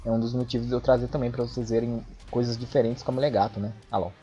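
A man with an excitable, chatty manner who swears often, commentating a fighting-game match for his channel. His voice comes through the dull, lo-fi sound of an old microphone. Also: medium pitch, rapid-fire, husky. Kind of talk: casual esports match commentary. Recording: dull lo-fi microphone, faint music behind.

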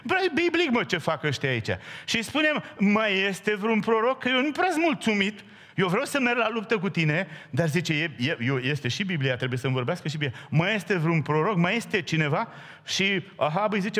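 A man preaching a sermon in a church, telling a Bible story with lively acted-out dialogue and direct questions to the congregation. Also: on the high side. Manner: animated storytelling, acting out biblical dialogue in raised voice. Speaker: pastor. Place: church hall. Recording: church hall reverb.

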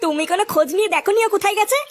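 A woman's voice: extremely high pitch, racing. A woman voicing a worried, impatient village father, agitated and questioning, in a comedy cartoon. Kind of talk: amateur comedy cartoon dialogue.

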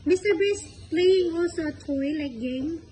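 A woman with a very high voice and asks casual questions at an unhurried pace. She is close to a phone in a living room, with faint noise behind her. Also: mellow. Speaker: parent filming and questioning a child. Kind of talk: casual home chat, asking questions. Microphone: phone held by the speaker.

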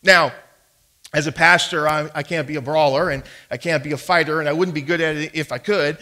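A man's voice: fairly high pitch, steady tone, brisk, sharp tone. A man, preaching a sermon as a pastor and telling a personal story, emphatic, with frequent restarts. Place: church sanctuary.

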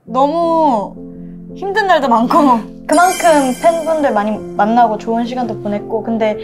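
A woman in her twenties speaks earnestly as a talk show guest, quick to jump in. Her voice sits high. Music plays beneath the conversation. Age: 20s. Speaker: guest, singer. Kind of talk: casual chat. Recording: music bed under the talk.

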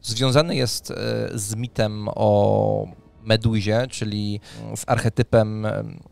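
A man in his thirties hosting a talk on tabletop games, speaking haltingly into a close microphone. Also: fairly low pitch, level tone, gravelly, a little mellow, soft background music. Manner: halting, hesitant delivery with drawn pauses. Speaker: podcast host. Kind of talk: conversational presentation of tabletop RPG ideas. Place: small dim room indoors, on video call. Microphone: close studio microphone on arm, headphones.

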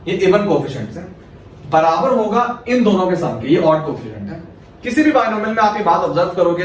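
Heard from a distance in a very echoey space with slight background noise, a high-pitched male math teacher gives a classroom lecture. Speaking with a Pakistani Urdu accent, he explains each step and answers the questions he raises.

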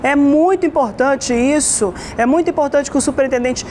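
Female Brazilian studio news anchor, thirties, high register, conversational and emphatic delivery. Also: brisk, a little mellow, slight background noise. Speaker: TV news presenter. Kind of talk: conversational news presenting with commentary.

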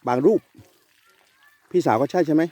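A man's voice: moderate pace, warm tone, no room sound, highs cut off. A middle-aged man hosting a casual farm vlog outdoors in a chili field, chatting, tagging phrases with polite particles and drifting into moral lecturing. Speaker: farm video host and chili seed promoter.

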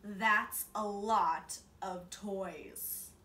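A woman's voice: medium pitch, drawn-out words, pushed and bright, distant mic. A woman in her twenties reading a children's picture book aloud expressively in a small room, a few feet from the camera. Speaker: storybook reader. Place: small indoor room, seated. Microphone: camera a few feet away. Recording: roomy, off-mic, faint noise.

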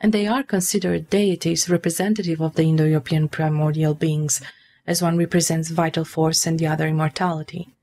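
Female narrator, lowish pitch, formal measured storytelling, scripted read over light ambient noise. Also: fairly even intonation, dark tone. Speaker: narrator of a mythology video.

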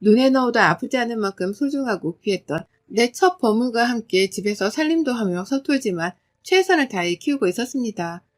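A woman in her forties narrating a first-person family story in a steady, plaintive way. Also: a little high, fairly quick, hardly any pauses.

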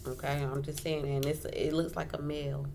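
A woman's voice: low voice, flat delivery, normal speed. A woman giving a casual tarot reading as host, talking informally, repeating phrases and checking in often. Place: indoors at a wooden table. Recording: clearly noisy home recording.

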